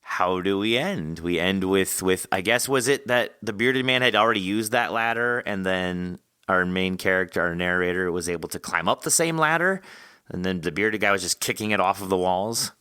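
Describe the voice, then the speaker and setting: A man with a deep voice and a bright, forward edge hosts a casual interview. He talks in a chatty, rambling way. The sound is close and dry, with very little room. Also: moderate pace, smooth, dry recording. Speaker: podcast host.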